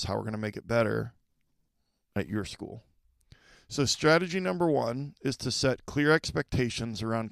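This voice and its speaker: A man's voice: mid-range voice, vocal fry, no room sound, studio quality. A middle-aged man hosting a podcast for school leaders, talking conversationally, repeating key points and checking in with listeners. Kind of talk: solo podcast advice talk.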